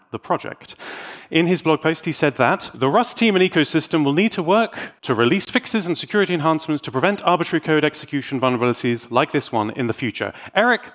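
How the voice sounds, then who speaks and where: A British man delivering a scripted tech talk as a conference speaker, theatrical and wry, with dramatic pauses. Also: medium pitch, a bit bright. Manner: wry, tongue-in-cheek.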